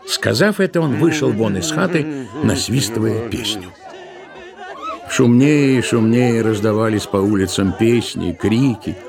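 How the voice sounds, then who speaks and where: A man narrating a literary tale for an audio drama, with expressive storytelling delivery. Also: medium pitch, creaky.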